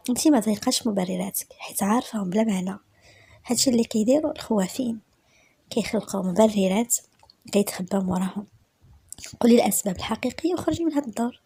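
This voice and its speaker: A woman with a Moroccan accent voicing a confident, assertive man, in a soft, half-whispered delivery. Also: mid-range voice, animated, very fast, vocal fry, slightly rough. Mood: persuasive.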